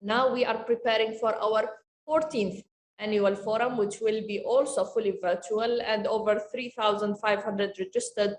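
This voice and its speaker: A woman, answering as a panelist in an earnest, measured way with frequent pauses and fillers. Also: medium pitch, fairly even intonation. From Jordan. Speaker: panelist, media organization director. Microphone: video call. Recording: echoey room over a video call.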